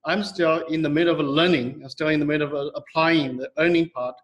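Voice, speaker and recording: A man, a company co-founder, giving thoughtful, measured interview answers with frequent pauses and restarts. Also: on the high side, fairly even intonation.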